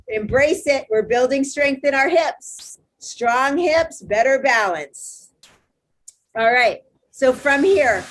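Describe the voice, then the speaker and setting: Husky-voiced chatty woman yoga teacher. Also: high-pitched, poor audio. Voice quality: loud voice. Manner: encouraging, chatty, cues poses step by step. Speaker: yoga instructor. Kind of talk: live online fitness class instruction.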